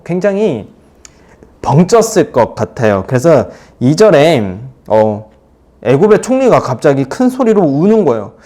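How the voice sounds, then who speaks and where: A man's voice: fairly high pitch, a little mellow. A male youth pastor preaching to teenagers, retelling a Bible story expressively with playful asides.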